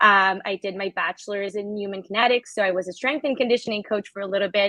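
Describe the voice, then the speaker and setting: At a very fast pace, a woman with a Quebec accent speaks in a medium pitch with fairly even intonation. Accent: Quebec French-Canadian. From Quebec, Montreal. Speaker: sport psychologist. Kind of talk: podcast interview.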